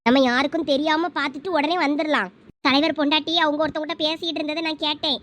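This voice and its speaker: A performer voicing a determined young village woman in a very high, quick cartoon voice with a Thoothukudi Tamil accent. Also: fairly even intonation, fairly bright tone, slight background noise. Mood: earnest.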